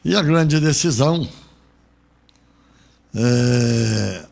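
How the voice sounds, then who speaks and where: A man's voice: medium pitch, lively intonation, drawn-out words, creaky, a little mellow. A middle-aged man from Brazil hosting a local radio show, chatting loosely about football with frequent rambling asides. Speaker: radio host. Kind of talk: casual radio sports chat. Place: radio studio.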